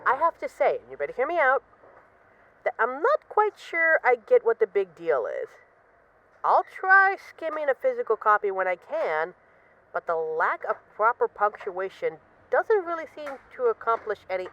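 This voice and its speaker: Woman acting a female mafia boss, restless and lovesick, wry rambling delivery, lively intonation, intimate audio roleplay, slightly dull recording. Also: on the high side, moderate pace. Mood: opinionated. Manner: dramatic, wry, rambling, swears freely.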